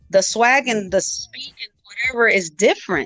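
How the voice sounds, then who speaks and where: A woman with an American accent speaks at a moderate pace, her high voice full of lively intonation. Music plays in the background. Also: dry, close sound with no echo. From Inglewood, Los Angeles. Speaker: mayoral candidate. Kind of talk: interview. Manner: animated storytelling.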